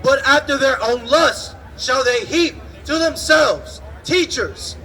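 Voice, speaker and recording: Guy reading bible verses out loud on the street, slow and bright, super high voice, people in background. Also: a faint crowd, rough recording. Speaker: scripture reader. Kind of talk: scripture read aloud, declamatory.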